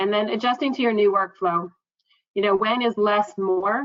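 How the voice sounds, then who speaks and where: A woman at medium pitch, speaking at a fairly quick pace. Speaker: eye care practice consultant. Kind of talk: webinar presentation. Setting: online webinar. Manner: fast.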